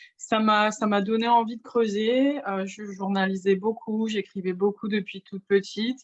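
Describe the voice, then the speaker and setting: Delivery is fairly slow with hardly any pauses and fairly even intonation. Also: woman, fairly high pitch for a woman. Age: 30s. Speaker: relationship coach. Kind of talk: interview. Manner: hesitant, many fillers.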